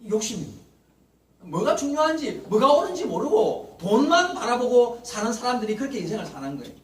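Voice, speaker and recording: Male pastor, high lively delivery, preaching from a distance in an echoey sanctuary with faint hiss. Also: brisk. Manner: animated preaching, acting out Bible figures' lines. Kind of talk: Sunday morning sermon. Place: church sanctuary. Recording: roomy church echo, mic at a distance, faint hiss.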